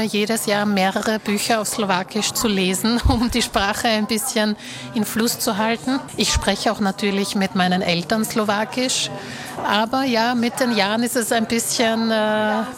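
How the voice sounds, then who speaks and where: A woman's voice: mid-range voice, fairly even intonation, normal speed, over music. Thoughtful Slovak-born woman author. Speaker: author, interview guest. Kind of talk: radio interview answers.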